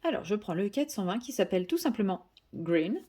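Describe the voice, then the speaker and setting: A woman's voice: mid-range voice, expressive, quick pace, dark tone, slightly rough. A woman chatting casually to viewers while she colours, rambling and correcting herself as she goes. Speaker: vlogger.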